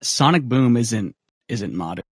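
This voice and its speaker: A man's voice: mid-range voice, expressive, unhurried, husky, dry recording, clean studio sound. A man talking casually on a podcast, making his points in a matter-of-fact way. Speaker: podcast panelist.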